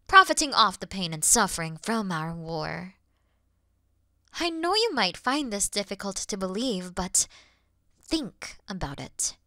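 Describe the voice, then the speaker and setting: Woman acting a bright-voiced, earnest demon queen. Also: medium pitch, dry recording, clean studio sound. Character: regal demon queen, calm, sincere, earnest peacemaker. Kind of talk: scripted fantasy audio roleplay addressed to the listener.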